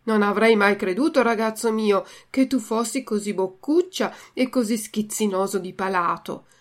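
A woman voicing a calm, kindly old man who patiently lectures a child in a storybook reading. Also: mid-range voice, moderate pace, lightly acted. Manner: calm and admonishing.

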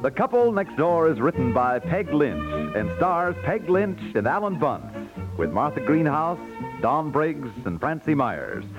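A man's voice: a little high, very animated, measured pace, dull audio. A man announcing a 1950s radio program in a scripted broadcast style. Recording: band-limited 1950s radio broadcast, some music.

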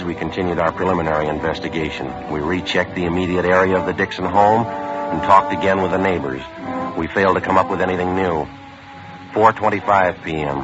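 A man playing a terse, deep-voiced police detective. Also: lightly acted. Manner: clipped, businesslike delivery. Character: terse, matter-of-fact male police detective. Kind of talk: 1950s radio drama acting. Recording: lo-fi vintage radio broadcast with music.

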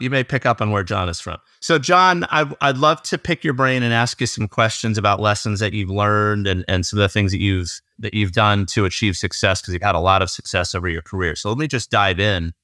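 A podcast host with a low but bright, forceful voice, recorded dry with no room sound. He is eager and talkative, stringing together long questions. He sounds comfortable leading the conversation. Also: brisk, few pauses, no room sound. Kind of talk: hosting an interview.

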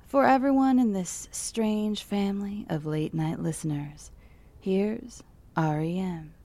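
A woman's voice: medium pitch, takes it slowly, dark tone. An actress playing a friendly late-night radio DJ who talks in a chatty, intimate way to her listeners. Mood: warm.

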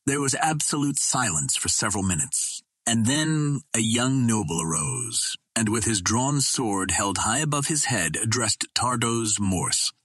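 A man with a fairly low, husky voice reads literary adventure fiction. The recording is dry and close, in a scripted audiobook style. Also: lively intonation, a little slow, hardly any pauses, fairly bright tone, dry recording. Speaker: audiobook narrator.

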